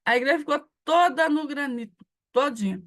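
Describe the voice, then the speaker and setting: A middle-aged woman with a Brazilian Portuguese accent, preaching a testimony and acting out the dialogue in an animated storytelling manner. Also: high voice, a little fast. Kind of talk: testimony sermon.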